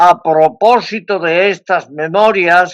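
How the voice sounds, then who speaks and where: Ordinary pitch variation marks a man's high-pitched voice. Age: 90s. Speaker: theologian. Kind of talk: interview. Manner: halting.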